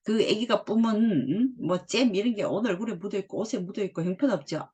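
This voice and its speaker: A middle-aged woman teaching English from drama scenes, reading lines slowly and then explaining them. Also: medium pitch, a little mellow, breathy edge. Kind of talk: explaining drama dialogue in a lesson.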